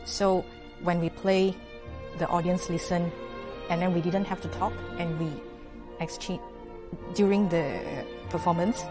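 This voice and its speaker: A young woman from Malaysia speaks with a rather low voice. She answers interview questions in a relaxed, thoughtful way, pausing on fillers and restarting words. Soft music plays faintly underneath. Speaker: orchestra horn player, guest.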